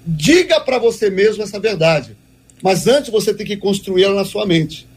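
A man with a high, husky voice teaches like a preacher in a devotional talk. He speaks emphatically and circles back to repeat key phrases. The delivery stays earnest and insistent. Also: expressive, moderate pace.

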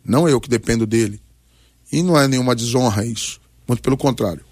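A man's voice: mid-range voice, quick pace, a little mellow, husky, no echo, studio quality. A Brazilian man in his forties, a pastor giving personal testimony and exhortation on a talk programme in short, emphatic, preacherly phrases. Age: 40s. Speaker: pastor, guest on a radio debate.

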